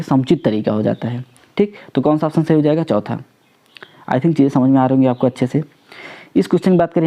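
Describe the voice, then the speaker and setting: Man, exam-prep teacher, quick delivery, self-questioning, slightly muffled lo-fi sound. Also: mid-range voice. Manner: asks and answers own questions, mixing English words. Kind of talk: Hindi exam prep lecture.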